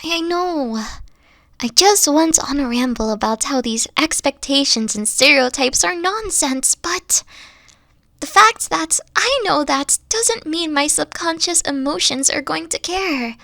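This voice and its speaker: A woman playing a soft-spoken, sighing kitsune girlfriend. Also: high-pitched, lively intonation, takes it slowly, no room sound, studio quality, exaggerated voice. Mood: hurt, frustrated. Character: gentle young three-tailed kitsune girlfriend, insecure. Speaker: team lead. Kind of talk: ASMR roleplay.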